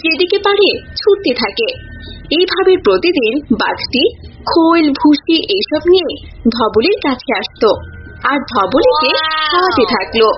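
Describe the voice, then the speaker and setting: A woman's voice: high-pitched, sing-song, measured pace, muffled recording, faint music behind. A woman narrating a scripted cartoon folk tale as a storyteller.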